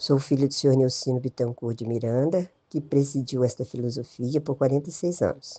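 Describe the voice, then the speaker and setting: At a moderate pace with hardly any pauses, a woman speaks in a dark, mellow, very deep, low voice with fairly even intonation. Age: 70s. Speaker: longtime movement member. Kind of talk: recorded testimony.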